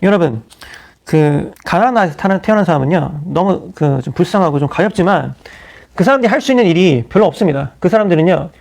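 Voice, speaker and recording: Fast, gravelly-voiced man preaching. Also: a little high. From South Korea. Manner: animated, conversational preaching with frequent asides and acted-out quotes. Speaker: pastor. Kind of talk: sermon.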